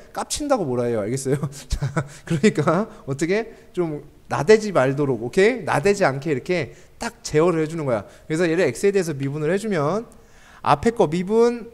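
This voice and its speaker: A man lecturing on math to a class, his voice sitting a little high and swinging widely in pitch. He talks to the students directly, keeps checking that they follow, and slips in joking asides between steps. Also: darkish tone. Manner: keeps checking understanding with quick questions to students. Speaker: math teacher.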